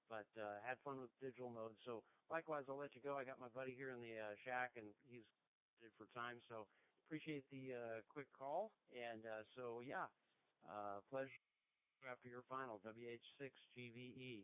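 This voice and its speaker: A man's voice: medium pitch, steady tone, normal speed, smooth, dry recording. Easygoing ham radio man, tinny line. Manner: easygoing, hesitant with fillers. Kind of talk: casual radio contact.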